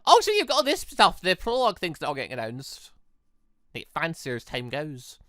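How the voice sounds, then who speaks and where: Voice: mid-range voice, wildly swooping pitch, a little fast, fairly bright tone, no room sound. A gaming YouTuber giving casual, rambling let's play commentary in a chatty way.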